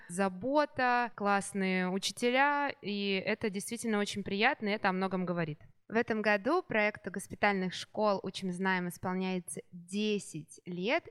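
A woman who is a hospital teacher hosting a podcast, patiently prompting children with gentle follow-up questions. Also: medium pitch, clean tone. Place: children's rehabilitation centre.

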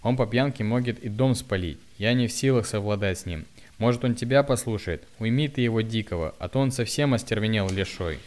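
A man's voice: on the low side, a little fast, darkish tone, lightly acted. A man voicing a weary middle-aged village woman who pleads with and scolds her drunk husband in rustic speech. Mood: pleading.

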